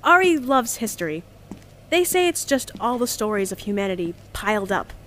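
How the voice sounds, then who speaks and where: Chirpy, animated, earnest young woman. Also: medium pitch, normal speed, a little hiss or hum. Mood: wistful, hopeful. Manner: bubbly, gushing, hesitant when flustered. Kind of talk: audio drama, recorded diary.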